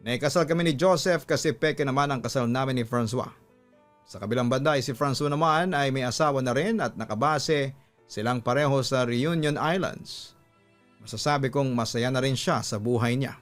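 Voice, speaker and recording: A man with a Filipino accent, a host narrating love stories and giving advice in a dramatic storytelling style. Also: medium pitch. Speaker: radio-style host reading listener letters and giving advice. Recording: music bed behind the voice. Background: instrumental music.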